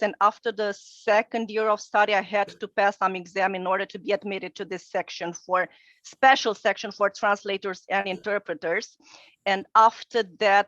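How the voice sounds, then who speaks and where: A middle-aged woman from northern Romania, a native Romanian speaker, calmly recounting her career as a translator and interpreter, with frequent hesitations. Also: medium pitch, no echo. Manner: measured, many hesitations. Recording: dull dry video-call audio.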